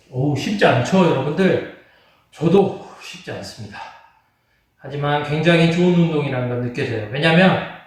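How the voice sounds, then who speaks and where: Male fitness instructor in a very echoey room. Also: a little high. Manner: polite, encouraging, checks in with followers. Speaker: home training fitness instructor. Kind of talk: exercise class instruction, explaining to viewers. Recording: very echoey room, distant from mic.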